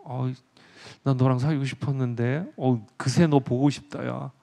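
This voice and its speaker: A man's voice: medium pitch, fairly even intonation, moderate pace, creaky, warm tone, lightly acted. A man voicing smitten, vain young Narcissus, gushing in a childlike, bantering way. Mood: pleading.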